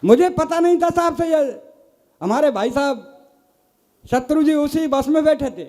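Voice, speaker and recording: Older high-voiced comic poet. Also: male voice, animated, unhurried, dark tone. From Bharatpur district, Rajasthan. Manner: folksy, teasing storyteller, addresses audience as sahib. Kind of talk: stand-up comic poetry recital. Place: live poets' gathering stage.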